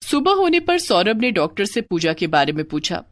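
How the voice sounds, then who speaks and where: A woman narrating an animated moral story in a scripted storytelling style. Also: medium pitch, normal speed, no echo. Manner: expressive storytelling.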